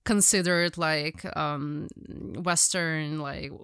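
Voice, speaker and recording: A woman's voice: deep voice, fairly even intonation, slow, a bit bright, smooth, no room sound, clean studio sound. A young woman with a Ukrainian accent, a journalist guest telling her story in casual conversation, rambling with many fillers and restarts.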